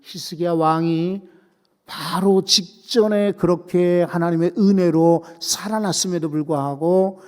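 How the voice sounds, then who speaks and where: A man preaching a sermon as senior pastor, telling a story with lively turns and asking the congregation questions. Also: high-pitched, a little slow, clean tone. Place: church sanctuary. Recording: long church reverb.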